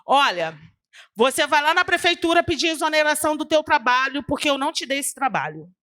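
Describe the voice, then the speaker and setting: A woman's voice: high voice, big pitch swings, brisk, bright, forceful tone, heavily acted. A woman preacher voicing Satan as a male tempter who gives curt, insistent orders. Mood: commanding.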